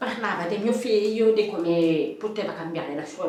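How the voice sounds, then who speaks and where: Moderately paced speech from a woman at a medium pitch, ordinary in pitch variation, over noticeable background noise. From northern Italy, Bergamo. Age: 40s. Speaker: cochlear implant user and peer mentor. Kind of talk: personal testimony interview. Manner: hesitant, with frequent fillers.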